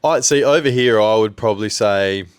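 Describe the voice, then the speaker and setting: A man's voice: on the low side, moderate pace, smooth, dry recording. A laid-back Australian man from Western Australia, co-hosting a podcast in casual chat and rambling with fillers. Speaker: podcast co-host.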